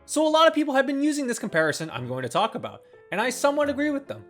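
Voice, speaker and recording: Scripted reviewer voice, animated pitch, faint music underneath, earnest delivery. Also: racing. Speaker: video essay reviewer.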